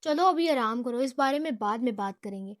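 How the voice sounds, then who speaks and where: A woman reading as a gentle father. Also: very high-pitched, animated, no echo, studio quality. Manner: soft, gentle. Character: kind middle-aged father, soft and indulgent.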